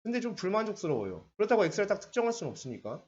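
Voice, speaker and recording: Male math teacher, young adult, chatty lecture style, lively rising and falling pitch, slightly high voice, dull lo-fi sound. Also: very fast, slight background noise. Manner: chatty, switches between polite and casual speech. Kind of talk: casual blackboard lecture.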